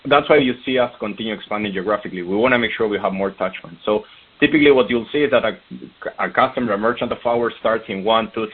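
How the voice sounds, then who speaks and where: Low-pitched executive on a phone line. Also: male voice, husky. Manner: explanatory, poses rhetorical questions. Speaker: company executive answering analysts. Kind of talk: earnings call answers. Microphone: conference call line. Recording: narrow, tinny phone-line sound.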